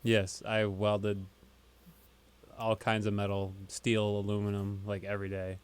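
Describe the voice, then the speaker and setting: A man co-hosting a casual podcast, explaining at length in a relaxed way with many fillers. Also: fairly low pitch, a little slow, clear, resonant tone. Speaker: podcast co-host, band member. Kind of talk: casual chat.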